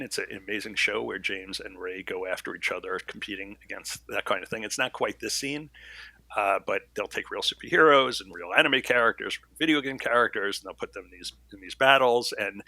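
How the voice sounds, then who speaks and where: A man's voice: on the low side, a little fast, bright, forceful tone, no room sound. A man speaking as an interview guest, off-the-cuff and teasing. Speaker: guest, series creator and writer. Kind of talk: casual interview chat.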